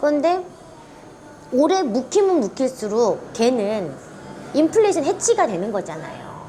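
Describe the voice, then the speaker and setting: The speaker talks at a fairly slow pace with very wide pitch swings and long, frequent pauses, over noticeable background noise. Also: woman, high pitch for a woman. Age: 50s. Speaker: real estate investment instructor. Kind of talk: casual talk to followers during a property tour. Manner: animated.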